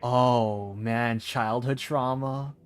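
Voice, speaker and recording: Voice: medium pitch, steady tone, very slow. A game livestreamer giving casual, off-the-cuff commentary while playing. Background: game music.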